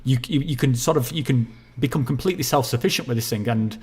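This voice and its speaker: A man from northern England hosts a casual call-in stream in a mid-pitched, ordinary voice. He gives relaxed advice at an easy pace and often restarts his words along the way. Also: fast talker, husky. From Leigh, near Wigan, England. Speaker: host of a call-in show.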